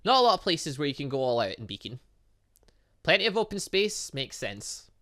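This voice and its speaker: A man's voice: a little high, big pitch swings, brisk, bright, forceful tone. A man reading the part of a brash, teasing young female student in a visual novel game, breezy and know-it-all. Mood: matter-of-fact.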